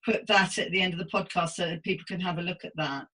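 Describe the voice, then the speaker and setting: A woman's voice: lowish voice, steady tone, fast, bright, forceful tone. A woman hosting a conversational interview podcast, chatty and affirming, rephrasing as she goes. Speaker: podcast host.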